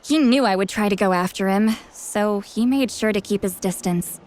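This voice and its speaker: A woman's voice: medium pitch, moderate pace, darkish tone, slight background noise, close to an everyday voice. A woman playing a candid, self-assured, protective tribal mentor in a video game, speaking informally. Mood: regretful, fond.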